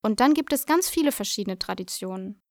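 A woman presenting a language lesson, explaining in a clear, measured, scripted way. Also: mid-range voice, expressive, a little mellow, no echo, studio quality.

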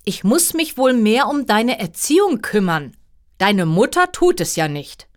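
A woman voicing an exasperated, imperious king and father in a storybook, with a loud, commanding, scolding manner. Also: mid-range voice, big pitch swings, a little slow, voice pushed up.

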